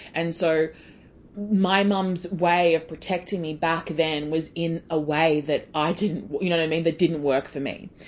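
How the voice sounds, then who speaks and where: A woman's fairly low voice moves at a fairly slow pace. Her intonation stays fairly even. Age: 30s. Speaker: podcast host and mindset coach. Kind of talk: personal monologue.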